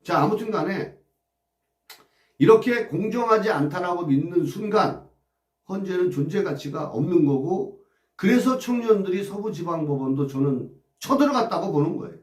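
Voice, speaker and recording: Agitated high-voiced man, echoey distance. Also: lively intonation, moderate pace. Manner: agitated, rhetorical, crude insults, repeated "어?" asides. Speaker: political commentary broadcaster. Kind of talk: impassioned political commentary monologue.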